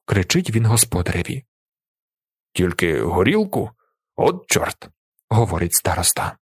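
A man narrating a story in an audiobook reading, lively and storytelling, raising his voice for the characters' shouts. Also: mid-range voice, slightly rough, no room sound, clean studio sound.

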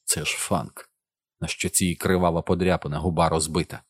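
A man narrating an audiobook in a steady, even reading voice. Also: sits low, normal speed, breathy edge, no room sound.

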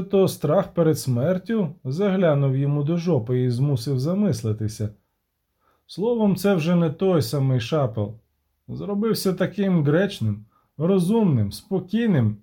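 A man voicing a shrewd, gruff male dwarf banker who talks frankly and cynically in an audiobook. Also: on the high side, expressive, unhurried, mellow. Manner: worldly, cynical, frank talker.

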